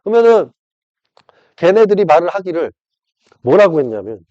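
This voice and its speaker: A man's voice: sits high, sing-song, normal speed, mellow, no room sound. A man preaching an informal sermon, acting out dialogues and addressing the audience directly. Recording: dull lo-fi dry recording.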